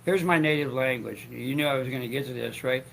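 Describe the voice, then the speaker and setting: Gravelly stammering male talk host. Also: mid-range voice, a little fast, fairly bright tone, a little hiss or hum, poor audio. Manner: stammering, restarts often; joking asides. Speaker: show host. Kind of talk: rambling esoteric talk.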